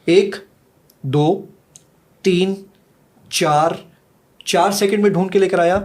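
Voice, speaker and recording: Man, middle-aged, high-pitched, eager demo-driven podcast guest, counts off seconds as he shows features. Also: a little mellow. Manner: eager, rapid-fire demonstrating, counts seconds aloud. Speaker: app developer guest. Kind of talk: podcast interview with live app demo.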